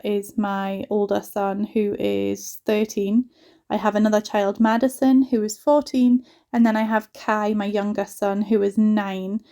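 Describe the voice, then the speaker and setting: A woman from northeast England with a soft mixed Geordie and Scottish accent, chatting casually through a home vlog voiceover with lots of "like" asides. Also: mid-range voice. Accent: soft mix of Geordie and Scottish. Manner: chatty, rambling, frequent "like" asides. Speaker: home vlogger and mother.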